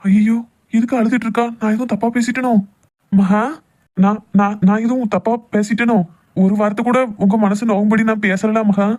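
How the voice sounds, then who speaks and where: Man acting a fast-talking, hurt young Tamil lover. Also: high-pitched, steady tone, darkish tone, close to an everyday voice. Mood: worried, remorseful. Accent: southern Tamil Nadu Tamil. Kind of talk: amateur cartoon love drama voice acting.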